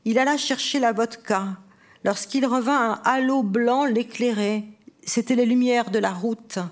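A woman's voice: a little high, a little slow. Woman giving an intense literary reading. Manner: intense, dramatic first-person reading, voicing the dialogue. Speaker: author reading her novel. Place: festival reading.

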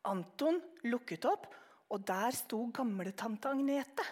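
A woman reads a children's story aloud with calm, even narration. Her voice sits high. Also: breathy edge.

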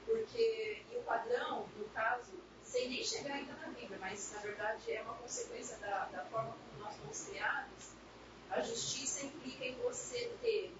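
A high-voiced woman joins the group discussion, earnest and groping for words. She is far from the mic in a very echoey room. The recording is lo-fi with clear background noise. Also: big pitch swings, normal speed. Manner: earnest, searching for words, restarts. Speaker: study group participant. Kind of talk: thinking aloud in group discussion. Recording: echoey, distant, lo-fi, noisy room.

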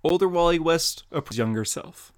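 A man's voice: on the high side, lively intonation, normal speed, smooth, no echo. Plain-spoken man describing comic panels. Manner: plain, matter-of-fact. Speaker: podcast co-host.

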